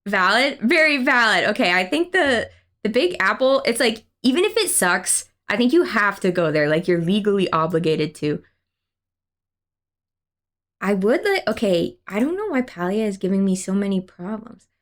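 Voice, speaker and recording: A woman's voice: mid-range voice, big pitch swings, moderate pace, fairly bright tone. A young woman chatting casually on a game stream, rambling through a story and reading chat aloud. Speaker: livestreamer.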